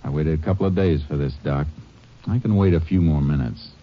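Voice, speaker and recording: Deep-voiced, terse Texas Ranger. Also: male voice, brisk. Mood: focused, businesslike. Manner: terse, matter-of-fact questioning. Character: steady, shrewd Texas Ranger investigator and narrator. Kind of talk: 1950s radio western acting. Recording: muffled old-time radio recording with music.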